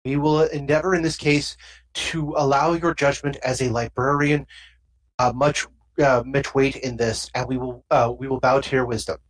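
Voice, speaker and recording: A woman's voice: steady tone, normal speed, low-quality recording. A woman voicing a solemn male alien diplomat who bows and speaks formally and deferentially. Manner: formal, deferential, low murmuring.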